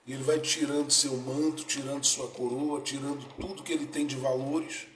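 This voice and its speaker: A male pastor preaching a sermon, moving between soft lines and loud, dramatic ones. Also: medium pitch, steady tone, moderate pace, a little hiss or hum. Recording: echoey room with faint ambience.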